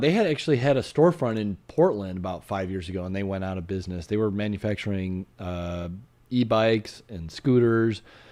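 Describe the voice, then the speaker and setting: A man with a Chicago accent talks at a moderate pace with lively intonation on a very clean recording with a silent background. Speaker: e-bike builder and live stream co-host. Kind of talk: casual live stream chat. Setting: live stream.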